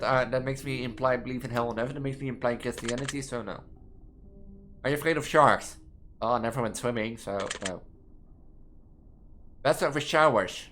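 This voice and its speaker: A young trans woman with a Dutch accent, reading quiz questions aloud and answering them in a rambling, halting way that restarts words mid-sentence, from her student apartment. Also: a bass voice, a little hiss or hum. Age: young adult. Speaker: gaming video creator.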